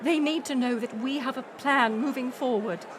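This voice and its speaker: A woman's voice: high-pitched, normal speed, slight background noise, close to an everyday voice. A woman playing a proud, weary middle-aged queen mother in a dramatic audio roleplay, formal and commanding. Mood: commanding, defensive. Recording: music and crowd murmur behind. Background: music and banquet crowd.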